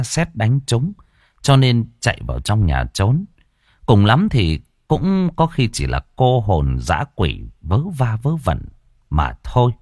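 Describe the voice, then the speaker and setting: A man's voice: lowish voice, darkish tone, dry recording, clean studio sound. A man narrating a ghost story in a dramatic, suspenseful way.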